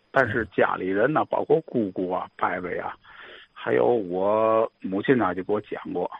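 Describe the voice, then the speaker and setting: This man has a normal speaking voice at medium pitch. He talks at a fairly slow pace with lively intonation. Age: 60s. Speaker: caller sharing family history. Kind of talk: casual reminiscence on a call-in show. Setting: phone call.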